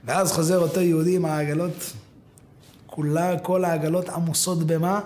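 Casting: male preacher with a high voice, animated parable storytelling, speaks straight to listeners. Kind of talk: sermon with dramatic storytelling.

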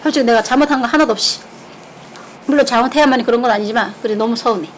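A woman's voice: a little high, rapid-fire, slight background noise, poor audio. A woman from Korea, chatting candidly while eating and telling stories frankly, with laughter and blunt words. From North Korea. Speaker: mukbang streamer.

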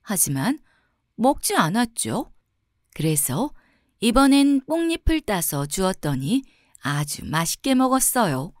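A woman reads a folk tale aloud as a bedtime story. Her delivery is soft and expressive, and her pitch moves a great deal. The recording is close and dry. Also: measured pace, no room sound.

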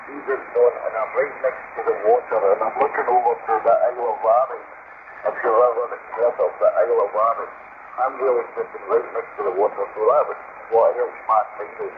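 A man's voice: mid-range voice, steady tone, fairly quick. A Scottish man chatting courteously as a CB radio operator, repeating his phrases and call signs over a single-sideband transmission. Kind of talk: CB radio contact chat. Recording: tinny, noisy CB radio reception. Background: radio static.

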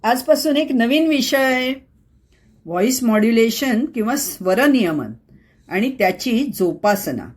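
At a measured pace, this presenter speaks in a slightly high, slightly mellow voice with lively intonation. She hosts a scripted but conversational explainer about voice skills, emphatic and theatrical, with many rhetorical questions.

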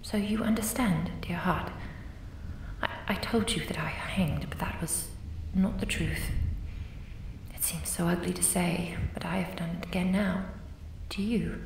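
A woman voicing a lovesick female ghost in an audio roleplay, whispering softly and intimately as she turns quietly sinister. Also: on the low side, unhurried, background noise. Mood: deadly tender. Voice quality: soft breathy whisper. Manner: intimate, doting, calmly sinister. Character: lovesick female ghost, tender yet deadly. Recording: roomy, distant mic.

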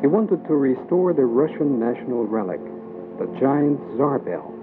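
A man narrating a documentary script in a measured, even reading. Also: medium pitch, background noise. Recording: tinny lo-fi audio with music underneath. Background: music bed.

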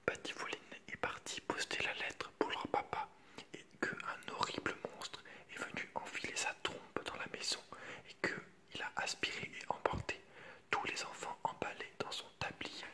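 In a soft, breathy ASMR whisper like you'd hear in a library, a man reads a kids' picture book aloud at an ordinary pace, chatting informally to the audience now and then.

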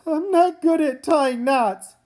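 A woman's voice: sits high, slow pace, darkish tone. A woman voicing a cautious young boy with a childlike, pleading manner in a comic read-aloud. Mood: anxious. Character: young boy, cautious, whiny little brother.

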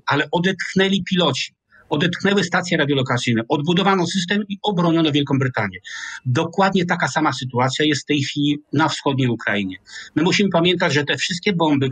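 Older man, husky explaining voice. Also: fairly high pitch, expressive, a bit bright, no room sound. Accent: Polish. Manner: measured, explanatory, restarts mid-word. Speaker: military analyst guest. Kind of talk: analytical interview commentary. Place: small home office with framed pictures. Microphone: video call webcam.

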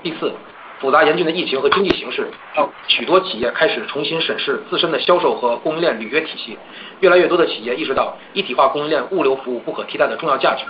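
A man's voice: a little high, rapid-fire. A man formally delivering prepared executive remarks on a corporate earnings call. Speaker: company executive. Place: conference call. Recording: dull conference call, faint noise.

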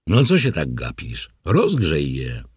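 Guy doing a bossy grumpy farmer type in an audiobook, low husky voice, snaps orders, dry sound. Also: huge pitch swings, slow pace, darkish tone, no echo, full character voice. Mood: commanding. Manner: curt orders, threatening. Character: gruff bossy rural man, commanding. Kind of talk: audiobook character voice.

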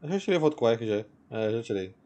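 A man's voice: medium pitch, sing-song, fast talker, warm tone. Young Brazilian man streaming a game. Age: young adult. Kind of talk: casual live game commentary. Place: indoor room, seated at a computer. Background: game music.

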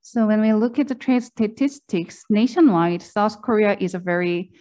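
A woman's voice: medium pitch, fairly even intonation, normal speed, dark tone. Woman giving live interpretation at a seminar. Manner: speaks in first person for the presenter, with small restarts. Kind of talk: live consecutive interpretation into English. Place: conference seminar room.

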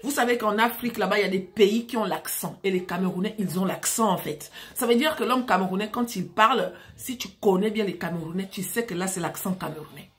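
A woman telling a story in a casual, animated way, speaking directly to her listeners. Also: medium pitch, brisk, few pauses.

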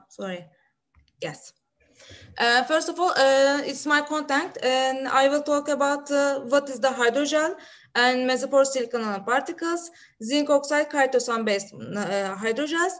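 A young woman, giving a hesitant academic presentation over a video call with many fillers. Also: high voice. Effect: heard over a video call. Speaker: conference presenter, master's student.

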